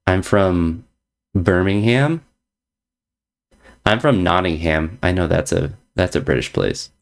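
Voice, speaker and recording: A chess streamer chats casually with viewers, reading their messages and playfully teasing them while repeating jokey slang phrases. His voice is low, animated and creaky, and he speaks slowly.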